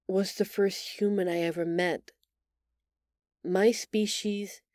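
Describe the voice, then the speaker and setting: A woman playing a gentle, frightened alien shapeshifter in an audio roleplay, halting, earnest and apologetic. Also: mid-range voice, no echo, studio quality, voice pushed down, lightly acted. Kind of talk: audio roleplay acting, intimate confession.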